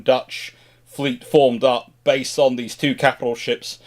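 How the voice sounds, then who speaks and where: Man reasoning aloud in casual discussion. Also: mid-range voice. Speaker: history show host answering questions. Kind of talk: casual speculative discussion, explaining.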